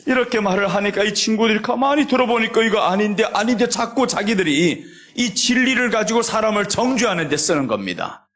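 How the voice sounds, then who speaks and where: A middle-aged male pastor delivers a sermon in a high-pitched voice. He preaches expressively, acting out quoted voices and reading scripture slowly. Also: animated, fairly bright tone.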